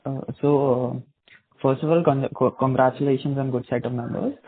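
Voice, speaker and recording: Male analyst, mid-pitched, slightly stumbling as he puts questions over a tinny phone connection. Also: fairly even intonation, moderate pace, breathy edge. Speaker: stock broking analyst asking questions. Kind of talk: spontaneous conference call questioning. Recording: narrow phone-like call line.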